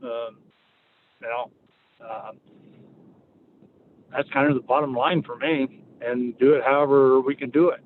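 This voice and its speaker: A man's voice: medium pitch, steady tone, unhurried, long pauses. A man joining a meeting from a moving car, brief and plain-spoken, chuckling now and then. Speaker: meeting participant. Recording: tinny phone-like line from a car.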